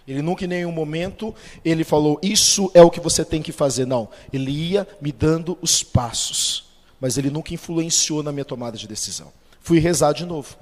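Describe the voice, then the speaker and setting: A man with a Brazilian Portuguese accent gives a spoken testimony as a preacher, telling his story with lively acted-out dialogue. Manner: storytelling, acts out quoted dialogue with shifts of pitch and loudness. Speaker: Catholic lay preacher. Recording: long hall reverb.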